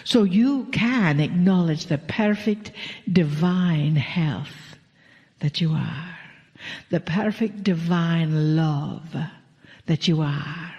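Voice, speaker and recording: Woman spiritual channeler, unhurried, gravelly, soft whispers, roomy dull hall recording. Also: lowish voice. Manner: slow, drawn-out delivery with soft whispered phrases. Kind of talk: channeled spiritual message to a live audience. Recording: echoey hall, dull lo-fi sound.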